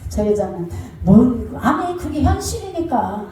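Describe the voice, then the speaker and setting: High-voiced woman preacher in an echoey hall. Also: a little slow. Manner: animated storytelling, sing-song preaching cadence; shouts commands mid-story. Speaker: pastor. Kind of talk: sermon. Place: church. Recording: very echoey church hall, distant mic, faint music.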